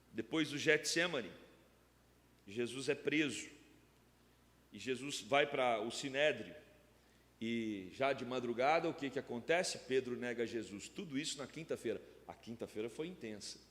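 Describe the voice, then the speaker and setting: A man's voice: mid-range voice, fairly bright tone. A man with a Brazilian Portuguese accent preaching a sermon as pastor, emphatic and full of rhetorical questions. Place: church sanctuary. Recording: long church reverb.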